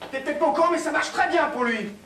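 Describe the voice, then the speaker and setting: Hot-headed young guy, high voice, explosive and swearing, distant mic, echoey room. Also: quick pace, pushed and bright. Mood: defiant. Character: volatile young man, quick to anger. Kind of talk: film acting. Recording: roomy film sound, distant mic, noisy.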